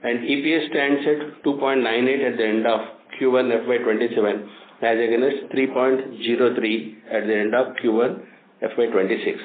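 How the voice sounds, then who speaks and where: Indian-accented man on a tinny phone line. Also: mid-range voice. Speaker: company finance executive. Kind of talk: earnings call presentation, reading out financial figures. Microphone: phone conference line. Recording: tinny phone line, echoey, faint noise.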